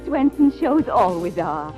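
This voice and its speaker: Melodramatic fading stage star. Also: female voice, medium pitch, big pitch swings, measured pace, dull audio, faint music behind. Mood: gushing, hopeful. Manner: melodramatic, pleading. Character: fading actress, gushing, needy and proud. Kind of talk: old-time radio drama acting.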